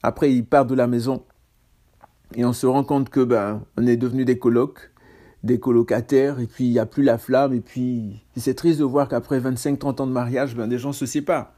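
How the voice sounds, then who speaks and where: A man's voice: mid-range voice, steady tone, moderate pace, mellow. A man preaching a casual sermon on scripture, talking conversationally with self-mocking asides and stammered restarts.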